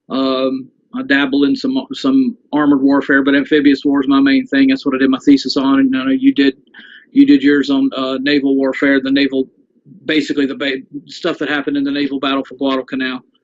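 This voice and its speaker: A man with a Virginia accent, fairly high pitch, monotone, flat intonation and a fairly quick pace. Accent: Virginia Southern. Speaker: military historian. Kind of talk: casual chat.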